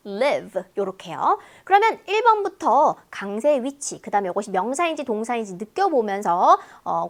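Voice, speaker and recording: Lively, high-voiced woman teacher. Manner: explains word pairs in a lively, talkative way. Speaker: English teacher. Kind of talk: lecture on English listening.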